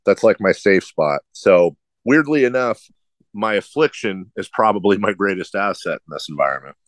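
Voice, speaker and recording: A man's voice: low voice, lively intonation, normal speed, no room sound. A middle-aged man who hosts sports radio, with a slight lisp and a nasal, droning voice, answering interview questions in a rambling, self-deprecating way.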